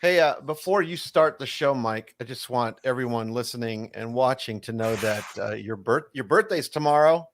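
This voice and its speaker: A man's voice: medium pitch, moderate pace, hardly any pauses, a little hiss or hum. A man co-hosts a comedy chat show in easy banter. His teasing is dry and understated.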